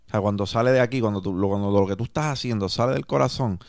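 Relaxed interviewer, man. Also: fairly low pitch, quick pace, vocal fry. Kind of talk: casual interview chat.

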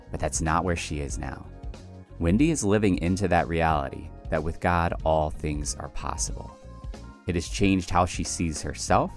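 A man delivering a calm, measured scripted devotional reflection in an earnest manner. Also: sits low. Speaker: devotional speaker. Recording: faint music underneath.

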